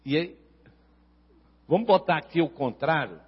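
A man with a Brazilian Portuguese accent preaching a sermon to his congregation, calling members by name and rising into loud, impassioned passages. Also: on the high side, expressive, measured pace, husky. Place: church. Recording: reverberant church hall, dull lo-fi sound.

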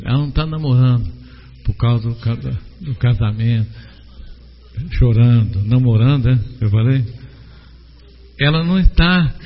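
A man preaching a sermon, questioning the congregation and calling on members by name. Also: mid-range voice. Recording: long hall reverb, dull lo-fi sound.

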